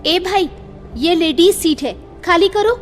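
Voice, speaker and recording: Gutsy schoolgirl in a radio play, really high voice, music behind. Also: lively intonation, unhurried. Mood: firm, annoyed. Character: bold, defiant schoolgirl standing up to harassers. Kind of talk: Hindi radio play acting.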